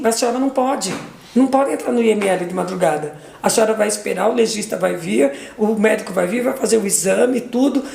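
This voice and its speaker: Middle-aged woman, testimony guest, slightly high voice with heavy fry, roomy recording. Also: a little mellow. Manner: retells dialogue with repeated 'aí eu peguei e falei', restarts and fillers. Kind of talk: emotional personal testimony.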